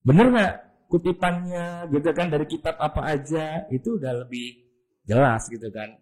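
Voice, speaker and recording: A man's voice: a little high, normal speed, a little mellow. A man with an Indonesian accent giving a casual religious study talk, chatty and colloquial, full of rhetorical questions. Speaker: Islamic jurisprudence teacher.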